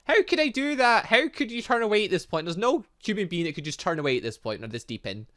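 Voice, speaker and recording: Animated, bright-voiced man doing game commentary. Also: high voice, quick pace. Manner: exclaims and reacts dramatically to the game. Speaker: gaming channel host. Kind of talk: let's play commentary, reading visual novel dialogue aloud.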